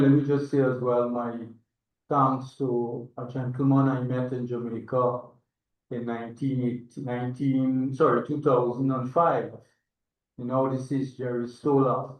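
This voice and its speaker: An older man from Trinidad, an agronomist and institute chairman, presents to an online meeting, his mid-range voice wandering reflectively through informal remarks with a hesitant delivery. The recording sounds distant, echoey and slightly dull.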